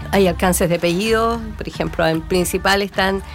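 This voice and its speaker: A woman speaks as a folklorist guest on a talk show. She talks thoughtfully and clears her throat now and then. Faint music sits behind her voice. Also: mid-range voice, normal speed. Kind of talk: casual interview talk.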